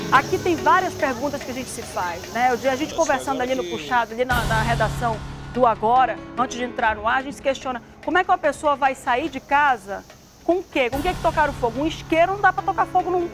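A woman in her thirties with a Brazilian Portuguese accent from Amazonas, a news anchor giving live conversational commentary in a studio, asking rhetorical questions. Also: high voice. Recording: studio voice over background music.

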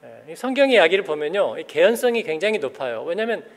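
A male pastor with a high-pitched voice and quick pace preaches conversationally in a church sanctuary, with long hall reverb on the recording. Animated, he often asks the congregation questions and acts out the people he quotes.

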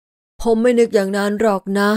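A detached, gloomy bald man, as a woman narrator puts him on, drawls each word slowly and sadly, as if musing on life. The storybook reading is dry and close. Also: mid-range voice, steady tone, warm tone, dry recording, lightly acted. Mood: glum. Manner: slow, mournful, mock-philosophical.

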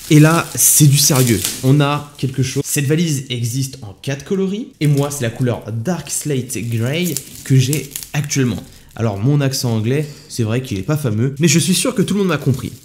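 A man's voice: mid-range voice, animated, fairly quick, darkish tone, slight background noise. A man hosting an upbeat, enthusiastic product unboxing review on his channel. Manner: enthusiastic, upbeat salesy delivery. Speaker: YouTube tech reviewer.

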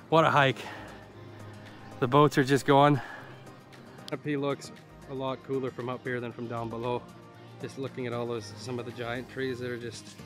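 A male travel vlogger talking casually and joking to himself while hiking outdoors in a rainforest, recorded on a handheld camera. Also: medium pitch. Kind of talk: casual solo travel vlog narration.

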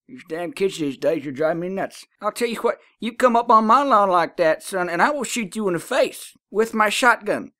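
A woman's voice: medium pitch, lively intonation, normal speed, few pauses, bright, forceful tone. A woman voicing a cranky, threatening old neighbour in a comedic demo. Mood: angry.

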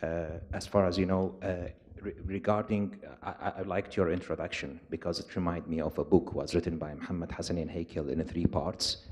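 A man from Iraq stands in a large lecture hall and speaks from the floor in a very low voice. He is hesitant and restarts his sentences often as he builds up to his remark. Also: little pitch movement, a little fast, few pauses, darkish tone. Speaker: audience member asking a question. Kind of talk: public question from the floor.

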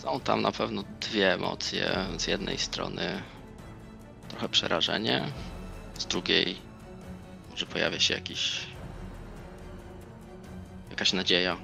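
A man in his thirties speaks as a player in a tabletop game. His voice is low and heavily gravelly, and he delivers his lines very deliberately and slowly. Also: steady tone, pushed and bright. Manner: measured, deliberate. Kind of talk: describing his character's reactions. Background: faint background music.

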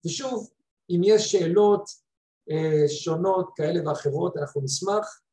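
A man's voice: high-pitched, dark tone, roomy sound. A man speaking emphatically, explaining his points in an online panel discussion over a video call.

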